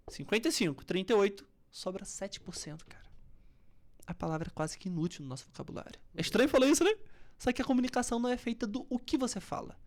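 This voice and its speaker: A Brazilian woman speaking as a guest coach on a podcast. She explains things vividly, pushing some words out firmly and dropping others to a hush. Her voice sits at an ordinary middle pitch. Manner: expressive, swings between loud emphasis and soft near-whisper to demonstrate tone.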